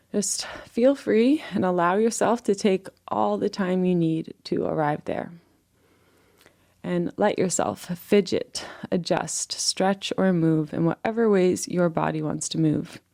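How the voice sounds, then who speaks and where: A woman with a dark, mellow voice and a gravelly fry at the edges guides a relaxation practice. Her manner is gentle and unhurried, giving soft permission with each instruction. She speaks as a meditation guide, soothing and patient. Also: fairly low pitch, no room sound, clean studio sound.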